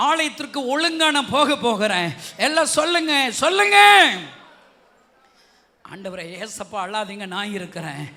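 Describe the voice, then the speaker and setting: A man's voice: very high voice, pushed and bright. A man preaching a sermon and praying aloud with a Tamil accent, calling out to the congregation with fervent repetition. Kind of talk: sermon and prayer. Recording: long hall reverb.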